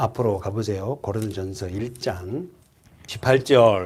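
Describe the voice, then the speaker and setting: A somewhat breathy, fairly low male voice with ordinary pitch variation. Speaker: pastor. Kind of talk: sermon.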